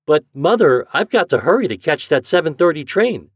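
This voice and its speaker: An excitable young farm boy from a storybook, voiced by a man. He speaks in a raised, slightly husky voice that swings up and down, with rustic, folksy phrasing and eager exclamations. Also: fairly high pitch, normal speed, no echo, clean studio sound, pitched above the performer's own voice. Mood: excited, worried.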